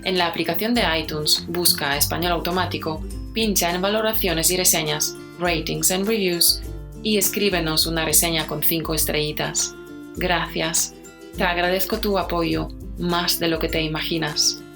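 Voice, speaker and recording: Clear-speaking Spanish woman teacher. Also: lowish voice, steady tone, music in the background. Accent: Spain. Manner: clear, slow explanations. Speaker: Spanish teacher and podcast host. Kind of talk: teaching a language podcast.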